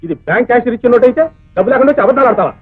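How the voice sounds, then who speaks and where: A scolding, stingy hotel owner. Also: male voice, extremely high pitch, expressive, racing, breathy edge, dry recording, exaggerated voice. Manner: scolding, accusing. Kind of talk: film drama acting. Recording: tinny lo-fi old film soundtrack.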